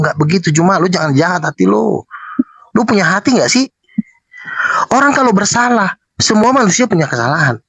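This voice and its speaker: A man's voice: high-pitched, fairly bright tone, no room sound. A man arguing heatedly in a debate, combative and preachy, with slangy street talk.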